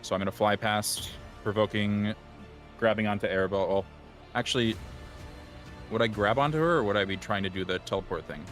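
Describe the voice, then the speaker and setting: A man's voice: on the low side, fairly quick, fairly bright tone, faint music behind. A man playing a tabletop game, thinking his moves through aloud with lots of hesitant ums. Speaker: player.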